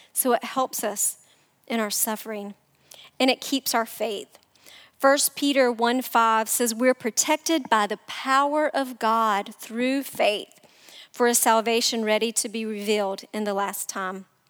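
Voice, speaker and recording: A woman's fairly high voice in a Southern US accent, at a fairly slow pace. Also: ordinary pitch variation. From US South. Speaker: Bible study teacher. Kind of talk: Bible teaching. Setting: church group with live audience.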